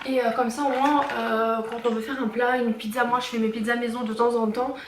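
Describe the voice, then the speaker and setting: A woman talking casually through a haul vlog at home, chatty and halting with many fillers. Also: on the high side, little pitch movement, reverberant, background noise. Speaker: vlogger. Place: home kitchen and garage.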